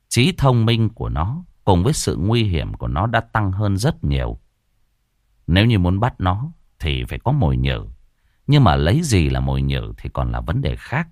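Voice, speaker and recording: A male storyteller telling a village ghost tale. His voice sits low but swings widely, dramatic and animated. The recording is close and dry. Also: dry recording.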